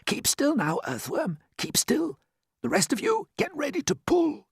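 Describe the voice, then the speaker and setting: A storybook narrator voicing a brave, eager young boy giving quick commands. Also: high voice, huge pitch swings, no room sound, studio quality, voice pushed up, exaggerated voice. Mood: tense urgent.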